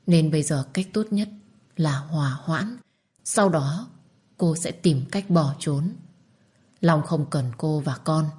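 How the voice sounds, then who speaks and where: A woman narrating a dramatic story in a steady, even delivery. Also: deep voice, slow.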